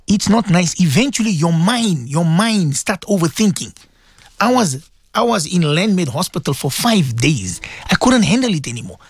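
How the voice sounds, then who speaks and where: A man's voice: sits high, very animated, moderate pace, slightly rough, no room sound. A middle-aged man hosting a religious radio show, talking to listeners in an emotional, pleading way and often repeating himself.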